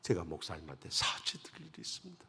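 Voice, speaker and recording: A man voicing a humbled middle-aged deacon who confesses quietly and contritely, heard with long church hall reverb. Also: wildly swooping pitch, fast, gravelly, breathy edge, heavily acted. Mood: hushed contrite. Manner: low, hushed and contrite.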